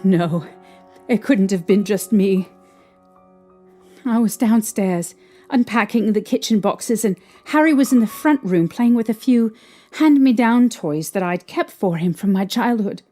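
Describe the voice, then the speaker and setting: A woman playing a young mother shaken by strange happenings, recalling them in a halting, hesitant way. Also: mid-range voice, lively intonation, mellow. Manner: hesitant, halting recollection with restarts. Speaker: interviewee recounting events. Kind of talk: fan audio drama acting. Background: faint music.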